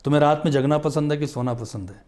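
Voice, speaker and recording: A man speaks as a guest on a studio talk show, earnest and emphatic as he explains his point. His voice sits a little higher than most men's. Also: a little mellow. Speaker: religious scholar guest.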